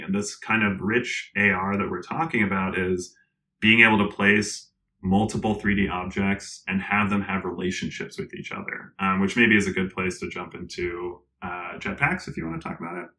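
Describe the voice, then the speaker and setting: A man being interviewed, talking in a casual, animated way with many fillers, restarts and frequent laughs. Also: sits low, low-quality recording. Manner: laughs often. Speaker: interview guest, tech founder.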